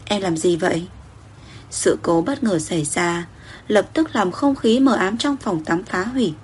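A woman narrating a romance story in a steady, even reading. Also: mid-range voice, a little slow, a little hiss or hum.

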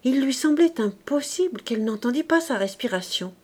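A woman narrating a classic novel as an audiobook reader, in a measured, expressive way. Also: high-pitched. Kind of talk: scripted narration.

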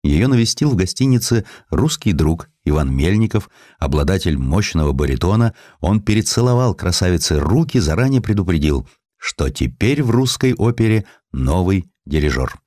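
A deep-voiced male audiobook narrator delivers a historical sketch in expressive, literary storytelling style. His pitch moves widely through each phrase, and the sound is close and dry. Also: normal speed, no room sound.

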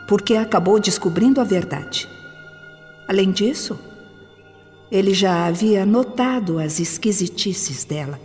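Radio drama role: actress as cold young Brazilian woman, dark mellow tone, self-justifying inner monologue in long reverb. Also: mid-range voice, natural voice. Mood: resentful. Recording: long reverb, music behind.

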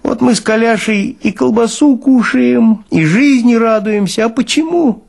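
A man's voice: extremely high pitch, unhurried, creaky, a little mellow, pitched above the performer's own voice, exaggerated voice. A man voicing a folksy, philosophizing morgue orderly in a dramatized literary reading, insistent and colloquial in his exclamations. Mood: exuberant, preaching.

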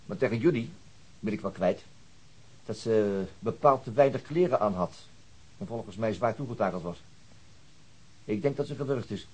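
Doubting detective in a radio play, lowish husky voice, matter-of-fact. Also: male voice, normal speed, long pauses, a little mellow, low-quality recording. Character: methodical, doubting male police detective. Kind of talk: radio drama acting.

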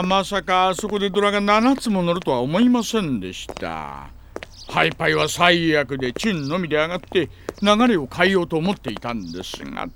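Smooth sly cop in his middle age, audio drama, super polite but insinuating, pitch all over the place, music under it. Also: a bit bright, a little hiss or hum. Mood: jovial chatter. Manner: unctuously polite, insinuating, chuckling formality. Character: wily, smooth-talking middle-aged male police detective. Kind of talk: Japanese audio drama acting.

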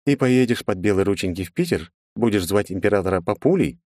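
A man's voice: lowish voice, lively intonation, fast, a little mellow, no room sound, studio quality, pitched above the performer's own voice, close to an everyday voice. A man playing a crude mocking buddy. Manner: mocking, blunt advice. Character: crude teasing male friend.

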